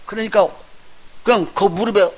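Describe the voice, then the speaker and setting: A male pastor preaching a sermon, telling the story with lively, acted-out voices and putting questions straight to his congregation. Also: sits high, normal speed. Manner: lively storytelling, acts out the characters he retells; addresses the congregation directly with questions.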